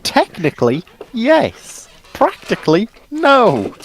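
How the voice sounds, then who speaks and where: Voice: mid-range voice, wildly swooping pitch, takes it slowly. A panelist in a casual, geeky debate, speaking in a contrary, pedantic way.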